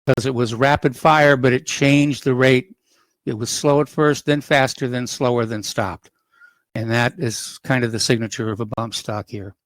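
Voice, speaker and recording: Radio host guy, plain and matter-of-fact, average pitch, dry mic. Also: fairly even intonation, moderate pace, dry recording. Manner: plain, matter-of-fact, brief replies to the caller. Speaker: radio talk show host. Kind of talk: talk radio commentary.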